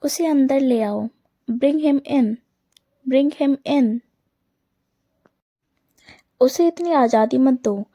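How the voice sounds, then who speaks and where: A woman teaching English phrases, saying each one quickly and then slowly repeating it twice. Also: sits high, mellow. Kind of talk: slow phrase drill lesson.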